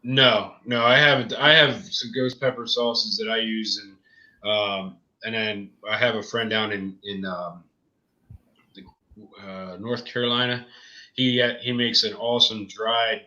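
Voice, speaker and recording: A man's voice: fairly low pitch, fairly even intonation, measured pace, bright, forceful tone. A man, chatting casually as a guest on a video call. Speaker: livestream guest. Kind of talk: casual chat. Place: small room indoors. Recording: muffled video-call audio.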